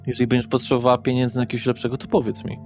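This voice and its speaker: An affable, tired middle-aged father acted by a male game master, talking in halting, repetitive phrases. His voice sits at an ordinary male pitch, with faint music behind it in a tabletop audio drama. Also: monotone, natural voice. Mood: weary, affectionate, puzzled. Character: Eryk, weary affable father working as a psychologist.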